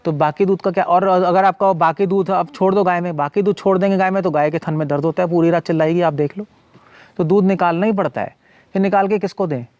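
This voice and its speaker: A monk who used to be a medical doctor gives a casual, conversational explanatory talk from his farm community, where he runs a cow shelter. His voice is high, fast, a little mellow and fairly even in intonation; he often repeats words and restarts, mixing in English terms. The lo-fi recording has no echo.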